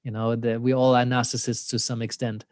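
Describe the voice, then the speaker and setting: A man's voice: mid-range voice, level tone, fairly quick, dry recording. Reflective German-accented man, dry sound. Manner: thoughtful, laughs often, many "you know" fillers. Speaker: existential coach, interview guest. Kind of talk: reflective conversational interview.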